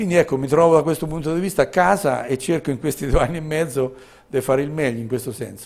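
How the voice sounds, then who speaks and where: A man's fairly high voice at a very fast pace. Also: ordinary pitch variation. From Marche. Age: 60s. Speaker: mayor. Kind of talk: TV interview. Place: studio. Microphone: lapel.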